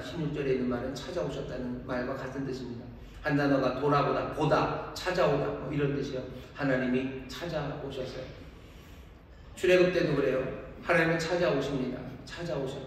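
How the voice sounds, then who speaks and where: A man's voice: mid-range voice, steady tone, brisk, slight background noise. Man preaching in an echoey church. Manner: emphatic preaching with rhetorical questions, swinging between loud and soft. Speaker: pastor. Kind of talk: sermon. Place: large church sanctuary. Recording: echoey church hall, voice from far off.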